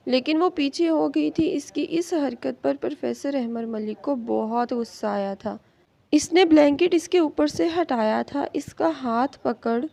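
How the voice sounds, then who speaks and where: A woman's voice: high-pitched, vocal fry, dark tone, no echo. A woman reading a romance novel aloud with dramatic storytelling. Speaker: novel reader.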